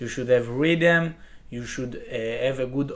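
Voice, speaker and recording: Speaking with ordinary pitch variation, a man talks in an Israeli accent. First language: Hebrew. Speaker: stand-up comedian. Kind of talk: casual chat. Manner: halting.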